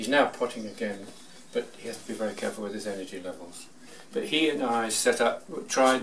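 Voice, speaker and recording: A man talks at a fairly quick pace with big swings in loudness over light background noise. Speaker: potter giving a demonstration. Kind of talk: informal demonstration talk to visitors. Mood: relaxed, amused. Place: workshop. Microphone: camera far.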